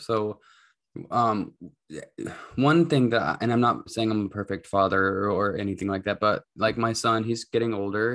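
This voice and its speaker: A plain, everyday voice from a man, fairly low in pitch, fairly slow, with fairly even intonation and a quiet background. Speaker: podcast co-host. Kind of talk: casual chat. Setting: video call recorded from home game room.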